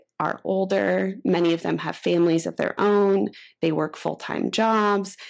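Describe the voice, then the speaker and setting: A woman talks with an American accent. The recording is very clean, with a silent background. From Texas, Houston. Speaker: higher education policy director. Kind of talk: interview.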